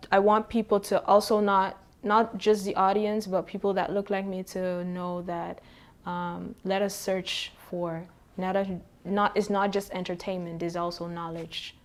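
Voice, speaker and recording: A Surinamese poet with a fairly low-pitched voice answers interview questions hesitantly, pausing often, saying um and restarting.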